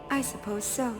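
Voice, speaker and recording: A reserved young priestess in a radio drama. Her fairly high voice is formal and measured, carried in long reverb with music behind it. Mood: apologetic.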